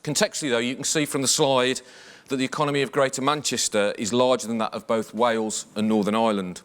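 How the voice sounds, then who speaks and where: A man with a Black Country accent, a police chief superintendent, giving a measured, formal presentation at a conference. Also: medium pitch, steady tone, a bit bright. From English West Midlands. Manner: measured, formal briefing delivery.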